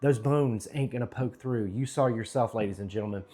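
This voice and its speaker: A middle-aged American man hosting a how-to cooking vlog with jolly, folksy, emphatic grill-dad hype and a salesman's pitch. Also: fairly quick, warm tone, reverberant. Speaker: barbecue cooking vlogger and host.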